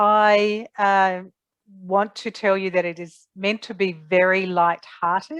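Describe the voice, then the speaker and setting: A woman with a strong Australian accent, medium pitch, fairly even intonation and a very slow pace, against a quiet background. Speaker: home cook, club speaker. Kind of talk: casual talk at online club meeting.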